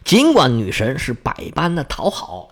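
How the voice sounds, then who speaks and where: A man's voice: mid-range voice, huge pitch swings, normal speed, fairly bright tone. A man telling myths in a folksy, chatty storyteller's way, with asides to his listeners.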